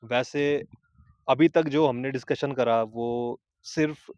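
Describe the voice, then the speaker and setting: A man in his interviewer role speaks politely at a mid pitch and wraps up the conversation. The sound is close and dry, with a somewhat dull, lo-fi quality. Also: takes it slowly, a little mellow, no echo. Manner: polite, frequent short acknowledgements. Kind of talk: casual interview. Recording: dry, slightly dull lo-fi audio.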